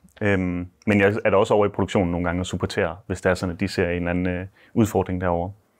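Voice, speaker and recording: A man's very deep, low voice, flat and monotone, at a very fast pace against a quiet background. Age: 20s. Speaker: engineer. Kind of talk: casual chat. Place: studio. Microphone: lapel.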